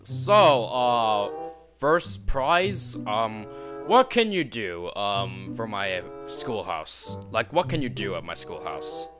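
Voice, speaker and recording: Man playing a bewildered principal, lively pitch swings, rambling, fillers, restarts. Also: slow, over music. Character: male school principal, bewildered and excitable. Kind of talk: amateur animation voice acting.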